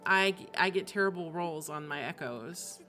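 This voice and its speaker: A woman's voice: lowish voice, moderate pace, pushed and bright, soft background music. A woman game streamer chatting casually and expressively on a livestream, in an informal way. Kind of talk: casual livestream chat about games.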